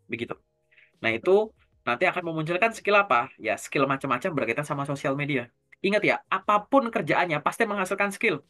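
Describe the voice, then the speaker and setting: A man with a bright, forward voice coaches job seekers in an easygoing talk. He works through simple everyday examples and keeps asking his listener questions to pull her along. Soft music plays faintly underneath. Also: mid-range voice. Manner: keeps tagging sentences with a casual filler. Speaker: career coach.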